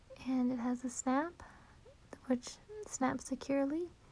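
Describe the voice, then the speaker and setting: Soft-spoken and high-pitched, a woman talks fairly slowly in a dark, mellow tone with monotone, flat intonation. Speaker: product reviewer. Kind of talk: product review. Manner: calm, unhurried.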